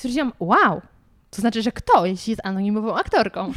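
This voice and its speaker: A woman talks at a very fast pace with ordinary pitch variation, in a very clean recording with a silent background and a dry, close sound with no echo. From Lower Silesia, Poland (Gryfów). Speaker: podcast host. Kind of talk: casual interview chat.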